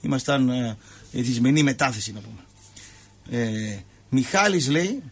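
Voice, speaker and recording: A man's voice: mid-range voice, lively intonation, slightly rough. A man hosting a radio show, telling comic stories and acting out the quotes in shifting voices. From Greece. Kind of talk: comic storytelling chat.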